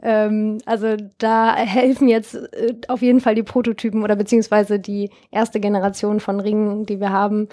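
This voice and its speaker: At a normal speed and with hardly any pauses, a young German woman with a mellow, level mid-range voice answers interview questions. She founded a jewelry company, and in this casual conversation she rambles chattily, filling in and restarting often.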